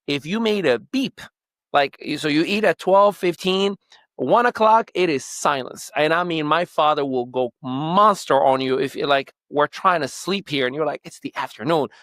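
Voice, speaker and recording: A man from Morocco hosts a podcast and tells stories in an earnest way, now and then pausing on fillers. His voice has an ordinary middle pitch and is recorded close and dry. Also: fairly bright tone, no echo. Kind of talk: casual podcast conversation.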